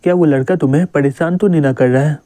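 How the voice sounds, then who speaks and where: A man reads a fatherly police captain in a manga recap. He is calm and quietly teasing, with a mellow, slightly high voice. The sound is dry and close. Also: fast talker, no room sound, natural voice. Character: older male police captain, fatherly and shrewd.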